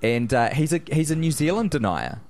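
A man co-hosting a casual comedy podcast, chatty and quick to laugh, swearing now and then. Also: fairly high pitch, big pitch swings, darkish tone, dry recording. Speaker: podcast co-host.

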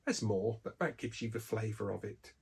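A man giving a scripted devotional Bible talk, telling a story with lively emphasis on key words. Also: fairly low pitch, moderate pace, vocal fry, husky.

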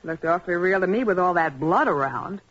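Perky young American female assistant, inquisitive, swooping intonation, slightly husky, vintage radio mystery. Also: lowish voice, brisk, lo-fi sound. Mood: puzzled, curious. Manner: animated, inquisitive, exclaiming. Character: perky, curious young woman detective's assistant. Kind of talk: 1940s radio drama acting. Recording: old 1940s radio broadcast.

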